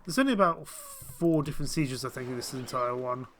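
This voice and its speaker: A man with a cold and a croaky voice, giving casual, hesitant commentary while playing a strategy game. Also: medium pitch, fairly quick, crowd noise. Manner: hesitant, full of ums and restarts. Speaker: game streamer.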